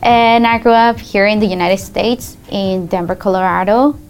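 Teen girl from Mexico, smooth voice. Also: medium pitch, normal speed. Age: teens. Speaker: student debater. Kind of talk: casual interview answers.

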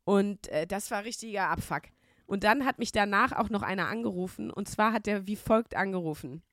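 A woman co-hosting a chatty podcast, recorded on a dry, close mic. She tells anecdotes in a mid-range voice and slows right down when she mimics the people in them. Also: mid-range voice, no room sound. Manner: storytelling, mimics callers in a slow flat voice. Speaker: podcast co-host. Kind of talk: casual chat.

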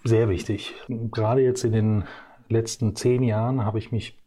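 Male business guest, fifties, low register, dark soft tone, hesitant off-the-cuff answers. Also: flat delivery. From Brussels region, Belgium. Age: 50s. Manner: hesitant, halting, feels for words. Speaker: interview guest, chief executive. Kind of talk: unscripted interview answers.

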